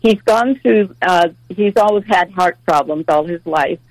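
A woman's voice: fairly low pitch, no echo, poor audio. Ninety-year-old woman calling in. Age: 90s. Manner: halting, repeats words, chuckles often. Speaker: caller. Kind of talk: phone-in chat.

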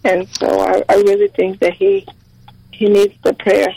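A middle-aged woman from Texas calling into a radio show to ask for prayers, hesitant and worried, with many pauses. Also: medium pitch, completely flat delivery, creaky, mellow, no room sound, rough recording. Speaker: caller. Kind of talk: phone-in caller asking for prayer.

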